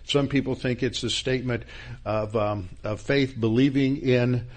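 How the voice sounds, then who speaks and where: A man teaching a verse-by-verse Bible class, with a halting delivery full of restarts and stressed key words. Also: medium pitch, fairly even intonation. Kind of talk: expository Bible class lecture.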